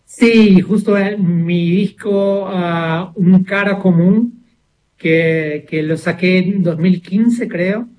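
A man's voice: sits high, very slow, a little mellow, rough recording. A mature Brazilian man, a native Portuguese speaker with a Brazilian accent tinged with Buenos Aires Argentine, talking casually as a musician being interviewed, searching for words as he goes.

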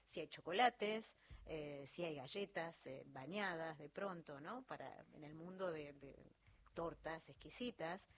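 A woman's voice: deep voice, measured pace. Chatty Argentine woman interviewer. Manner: chatty, lively questioning, reads from notes. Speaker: host.

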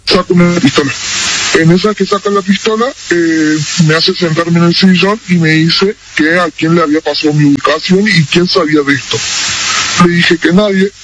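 A woman's voice: on the low side, normal speed. A woman giving recorded testimony as a crime victim, her voice distorted to hide her identity, recounting events step by step and quoting her attacker. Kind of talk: recorded testimony played on air. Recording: hissy, distorted playback.

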